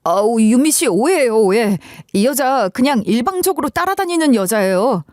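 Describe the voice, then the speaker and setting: A woman's voice: on the high side, animated, normal speed, a little mellow, no room sound, lightly acted. Woman doing a sneery arrogant young guy, cold and dismissive, drawly, dry close mic. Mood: fawning. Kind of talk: dramatized story narration.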